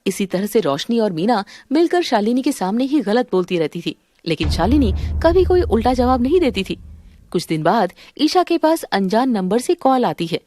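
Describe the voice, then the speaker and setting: A woman's voice: fairly high pitch, moderate pace. A woman narrating a family drama and voicing its characters in a dramatic manner. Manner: dramatic, switches between calm narration and quarrelsome voices. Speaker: narrator and voice of several women. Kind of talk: Hindi family-drama storytelling with voiced parts.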